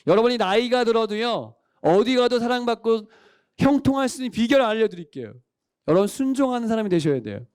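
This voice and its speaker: A man's voice: very high-pitched, animated, fast talker, a little mellow, clear, resonant tone, no room sound, clean studio sound. A male pastor preaching a sermon, quizzing the congregation and calling for amens. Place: church worship service.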